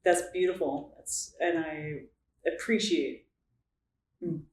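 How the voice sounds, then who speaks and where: A man hosting a podcast interview, appreciative and quick to laugh. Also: fairly high pitch, steady tone, a little hiss or hum. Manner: warm, appreciative, laughs easily. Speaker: podcast host. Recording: echoey room.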